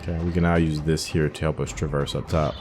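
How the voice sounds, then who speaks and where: A man's voice: a bass voice, level tone, fast. A man giving casual gameplay commentary, thinking aloud and explaining each step as he goes. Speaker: gaming host. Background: game audio with faint music.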